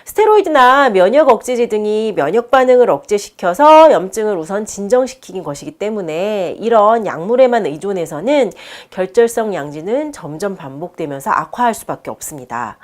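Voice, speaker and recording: A woman's voice: mid-range voice, sing-song, fairly quick, few pauses. A woman doctor giving an explanatory medical talk in an instructive manner, stressing key terms. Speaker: doctor presenting a health video column. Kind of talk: explanatory medical lecture to camera.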